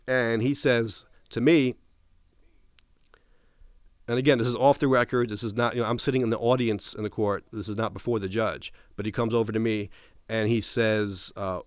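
A man's voice: mid-range voice, clear, resonant tone, no room sound, studio quality. A man being interviewed, retelling a long story in a casual way, restarting often and quoting what others said. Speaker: interview guest.

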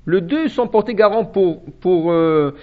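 A man teaching a Torah class in a high voice, animated as he tells the story. He asks questions and answers them himself, often stopping to restart a phrase. The recording sounds dull and lo-fi. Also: measured pace. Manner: hesitant restarts.

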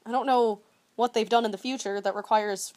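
A woman's voice: a little high, fairly even intonation, fairly quick, darkish tone. Wry chatty woman podcast co-host. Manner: chatty, wry, sarcastic asides. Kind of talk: casual chat.

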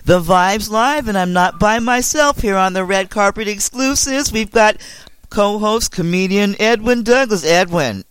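A woman's voice: mid-range voice, moderate pace, smooth, no echo. A woman hosting a radio show with gushing, upbeat red carpet chatter. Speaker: co-host of an online radio show.

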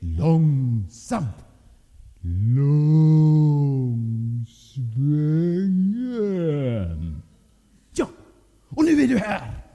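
A man voicing a worried, scolding mother in a told story, speaking shrilly and fast. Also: a little high, sing-song, vocal fry, dark tone. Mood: exasperated. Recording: long hall reverb.

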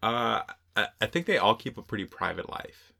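A young man co-hosting a casual podcast, reading off facts in a relaxed, joking way, with a slight Mexican accent. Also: lowish voice, moderate pace, vocal fry. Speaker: podcast co-host. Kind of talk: casual chat.

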